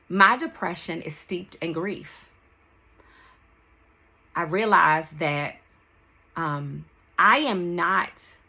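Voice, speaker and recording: Bright-voiced D.C. woman, unhurried podcast host. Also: low voice, vocal fry, slightly rough. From Washington, D.C., United States. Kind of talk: personal solo podcast monologue.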